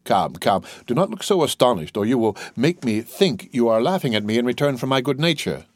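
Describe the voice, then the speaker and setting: A man's voice: medium pitch, very animated, a little fast, dry recording. Man playing a blunt, wry gendarme. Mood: wry, dismissive. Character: gruff male prison guard, wry and stern.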